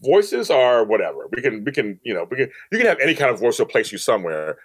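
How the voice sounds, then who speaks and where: A man's voice: mid-range voice, big pitch swings, fast, slightly rough. A man talking casually as an interview guest, emphatic, often repeating phrases and acting out quotes. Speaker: podcast guest, audio drama producer and director.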